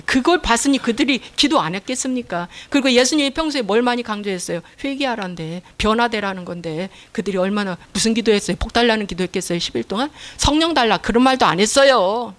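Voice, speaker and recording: Woman pastor mid-sermon, kinda high voice, repeats stuff for emphasis, asks the church questions. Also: fast talker, few pauses. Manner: asks the congregation questions and answers them herself; emphatic, repeats key phrases.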